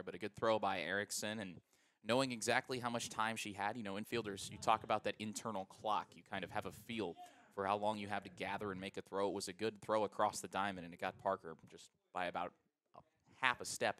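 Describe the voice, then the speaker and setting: Lowish-voiced American male color commentator. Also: steady tone, fast talker, fairly bright tone. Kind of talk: conversational analysis on live sports radio.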